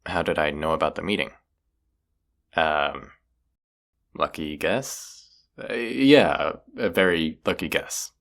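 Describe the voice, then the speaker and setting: A cocky young vampire hunter acted by a man for an audio roleplay. His voice sits very deep, with heavy gravelly fry. He talks in casual slang, teasing and sarcastic, and is quick to mock himself. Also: a bit bright, heavily acted. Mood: evasive, flippant.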